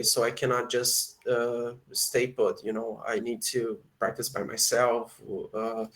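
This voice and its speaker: A Brazilian man with a Brazilian Portuguese accent, a student on a video call who hesitates and fills pauses while he hunts for words. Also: medium pitch. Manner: hesitant, many fillers while searching for words. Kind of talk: casual conversation lesson.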